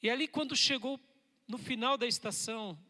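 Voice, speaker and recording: A male pastor delivers a sermon in a high, bright voice. He swings between emphatic loud bursts and soft, intimate lines. The church hall gives his voice a long reverb. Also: moderate pace. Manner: emphatic preaching with sudden loud and soft turns.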